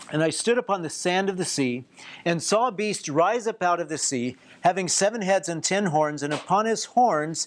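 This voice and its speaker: A man is speaking at a fairly slow pace. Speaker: pastor. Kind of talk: sermon. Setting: church or camp meeting with audience. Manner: measured, teaching-style Bible exposition with frequent self-repeats; reverent, earnest in prayer. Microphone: lapel.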